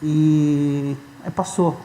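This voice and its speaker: A man's voice: fairly high pitch, fairly even intonation, drawn-out words, dark tone. A man, a church guest answering politely and a little nervously. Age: 40s. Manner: polite, a bit nervous, fills with "né". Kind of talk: interview testimony.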